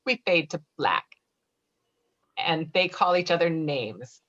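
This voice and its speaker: A woman with a somewhat low voice reads out camera and stage directions. Her delivery is plain and halting, and the recording is a little lo-fi. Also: expressive, fairly bright tone. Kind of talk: reading screenplay directions at a table read. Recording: slightly dull, lo-fi audio.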